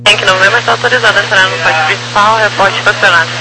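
Very fast Brazilian tower controller, noisy radio. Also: medium pitch. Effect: aviation radio. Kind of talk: clipped air traffic control phraseology. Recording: noisy humming aviation radio transmission.

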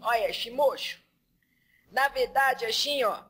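A woman medium voicing the male spirit Exu, who talks slowly with a folksy drawl and laughs between phrases. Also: on the high side, fairly bright tone, husky, exaggerated voice. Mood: earthy, chuckling. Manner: drawling, folksy speech, calls listener "filho". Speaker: medium channeling an entity.

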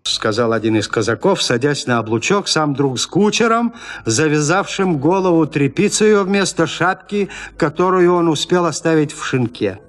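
A man narrating a classic story in a radio play, reading in a measured, expressive literary way. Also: on the high side.

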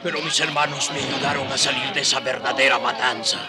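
A man's voice: mid-range voice, steady tone, a little fast, loud music behind the voice, close to an everyday voice. An actor playing a brave indigenous rebel leader who narrates his war in an earnest, dramatic radio-novel style. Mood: solemn, resolute.

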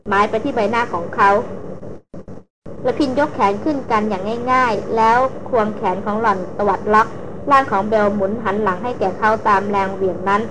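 A woman reading an adventure novel aloud in a steady, measured storytelling manner. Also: mid-range voice. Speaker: audiobook narrator. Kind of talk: scripted narration of an adventure novel. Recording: noisy recording with vehicle hum.

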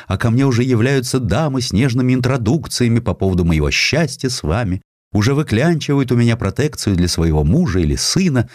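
A man's voice: fairly low pitch, a little mellow, dry recording, clean studio sound, pitched above the performer's own voice, lightly acted. A man voicing a proud, cautious young noblewoman in an audiobook, speaking in an earnest, formal and firm manner. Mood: indignant. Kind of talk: audiobook character dialogue.

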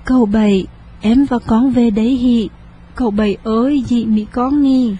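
A woman's voice: fairly high pitch, steady tone, normal speed, mellow, husky, dull audio. A woman voicing a frightened young wife in an audio story, pleading and choked with sobs. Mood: tender.

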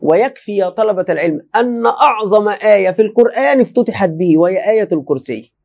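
Speaking fast and expressively in a high pitch, a man lectures his class on a religious text, restating phrases and checking students' understanding as he talks to them directly. The sound quality is lo-fi.

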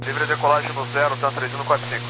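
A man's fairly high voice comes over a walkie-talkie style radio buried in loud humming noise. He reads back instructions as a pilot, in clipped, procedural phrases. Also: flat delivery, racing. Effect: over walkie-talkie style aviation radio. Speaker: pilot on air traffic radio. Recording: very noisy, humming, crackly radio channel.

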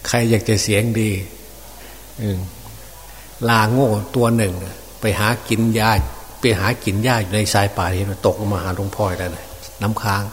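A man preaching as a monk, folksy and unhurried, with many fillers. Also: on the low side, steady tone. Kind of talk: Dhamma sermon. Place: open temple hall. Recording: distant reverberant hall with faint noise.

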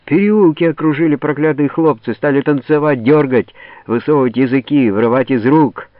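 A man's voice: mid-range voice, animated, moderate pace, no room sound, phone-quality sound, pitched above the performer's own voice, natural voice. A man reading an audiobook voices frightened village constables pleading with their chief. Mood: agitated.

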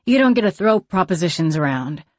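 A woman voicing a fierce, blunt frontier gunslinger woman with rough Western talk. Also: lowish voice, lively intonation, fairly quick, no echo.

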